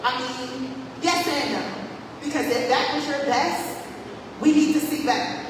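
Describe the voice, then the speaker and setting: A woman's voice: high-pitched, a little slow. A woman speaking as a parent at a school board meeting, earnest and emphatic, repeating her points. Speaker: parent speaking at public comment. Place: large meeting hall. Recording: echoey hall from far off, noisy.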